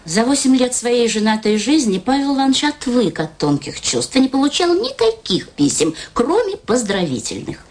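A woman narrating a literary story in a radio play, in an expressive storytelling manner. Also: on the high side, normal speed, hardly any pauses. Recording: radio play with music underneath.

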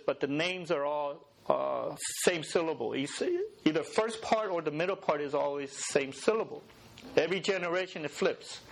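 A man's voice: on the high side, gravelly, rough recording. A middle-aged man who was born in Korea and raised in the US, giving a chatty, laughing talk to an audience and often checking in with the crowd. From Korea, raised in the USA. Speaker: speaker at a mission gathering.

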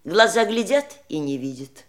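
Animated, wistful mistress. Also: female voice, fairly low pitch, normal speed. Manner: theatrical, searching, with pointed irony. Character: dying man's wistful, sharp-witted mistress. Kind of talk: stage-style audio drama acting.

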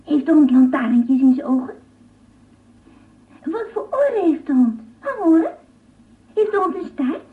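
A woman voicing a whimsical, inquisitive little girl with childlike prattle in a radio play. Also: high voice. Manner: childlike prattle, endless naive questions. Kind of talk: Dutch radio play acting. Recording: muffled lo-fi old radio recording.

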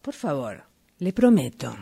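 A woman playing an eager, impulsive house-hunter in an amateur radio play, speaking in a hesitant, halting way. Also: sits low, sing-song, gravelly, dark tone, breathy edge, pitched below the performer's own voice, full character voice. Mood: flustered, pleading.

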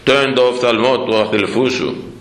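A man preaching a sermon, animated, slowing down to quote old scripture. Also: mid-range voice, echoey room, rough recording.

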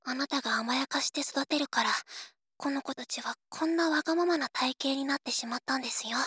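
Casting: actress for a prim, stubborn young woman, high voice, formal and easily flustered, close intimate audio drama, dry recording. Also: a little fast, bright, forceful tone, dry recording. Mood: gently scolding. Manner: polite formal speech, hesitant, flustered, scolding. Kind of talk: Japanese audio drama, intimate role-play to listener.

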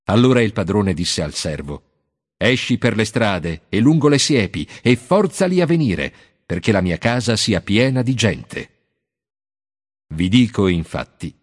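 A man reading the part of Jesus, a grown man who teaches with calm authority in a measured, solemn cadence. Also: lowish voice. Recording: long hall reverb.

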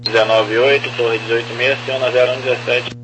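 A man's voice: medium pitch, flat delivery, fairly quick. A Brazilian man working as an air traffic controller, giving clipped instructions over a radio. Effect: radio transmission. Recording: humming, noisy aviation radio.

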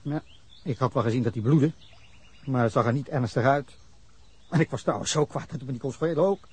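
Medium in pitch, husky, and fairly quick, the man's voice belongs to an actor in a Dutch radio drama. He portrays a defensive middle-aged man giving the police an indignant, rambling account of a drunken fight that flares into anger at times.

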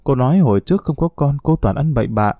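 Guy putting on a little girl voice, teary and homesick, kinda dark tone, dry sound. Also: medium pitch, animated, fast, dry recording. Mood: tearful pleading. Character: young girl, homesick and tearful.

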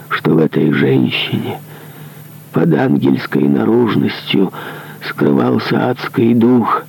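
A man's voice: creaky, a little mellow, slightly rough, full character voice, rough recording. A man straining up into a dying executioner's desperate plea. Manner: anguished, high-strained pleading. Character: dying male executioner, guilt-ridden and pleading.

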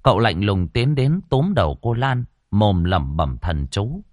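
A man narrating a ghost story in a colloquial, expressive way. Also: on the low side, measured pace, no echo, clean studio sound.

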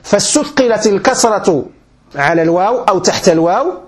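A sheikh with a Moroccan accent gives a grammar lecture in a notably high voice. He circles back over each point, restarts phrases and keeps asking his class whether they have understood. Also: animated, fairly quick. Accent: Moroccan Arabic. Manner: quizzing listeners with frequent check questions; patient, repeats and restarts points.

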